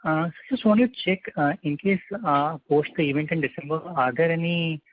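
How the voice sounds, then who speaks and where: A man's voice: fairly high pitch, a little fast. A man with an Indian accent politely asking questions as an analyst, hesitant and deferential. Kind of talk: polite question on a conference call. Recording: tinny phone line.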